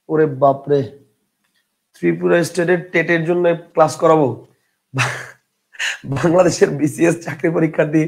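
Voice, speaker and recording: A young man teaching an online grammar lesson, repeating words slowly and answering his own questions. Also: a little high, vocal fry, darkish tone.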